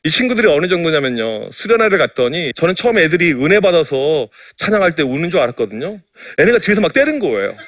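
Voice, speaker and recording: A man's voice: a little high, big pitch swings, fast talker, hardly any pauses, a bit bright, dry recording. A middle-aged male pastor giving a sermon full of humorous stories, talking in a playful, self-mocking way.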